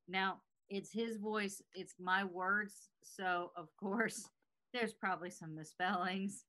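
A woman's voice: mid-range voice, steady tone, takes it slowly, sharp tone. A woman from South Carolina with an American accent and a faint Southern trace, chatting casually as a podcast host. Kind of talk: casual chat.

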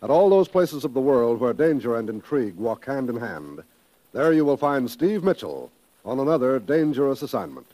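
A man's voice: a little high, dark tone, low-quality recording. A man with an American accent announcing for 1950s network radio in a polished, emphatic, promotional style. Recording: vintage 1950s radio broadcast.

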